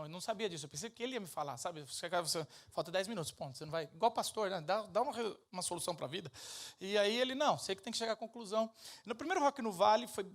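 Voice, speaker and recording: A middle-aged Brazilian man giving an informal sermon, telling personal stories in an animated, self-deprecating, conversational way. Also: high voice. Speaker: speaker at a church event.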